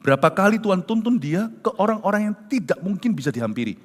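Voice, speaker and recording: A man's voice: high-pitched, sing-song, fast. A man preaching a sermon as a pastor, telling a story dramatically and slipping in English phrases. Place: large church hall. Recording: long church reverb with soft music.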